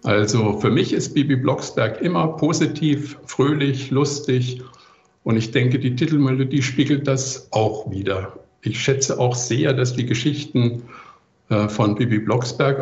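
A man in his sixties giving measured, articulate, reflective answers as an interview guest. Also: mid-range voice, a little mellow, reverberant, dull audio. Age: 60s.

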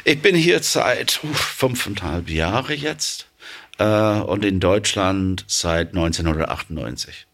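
A man's voice: sits low, animated, takes it slowly, fairly bright tone. A man from England with an English accent, a plant manager answering interview questions hesitantly, with many fillers.

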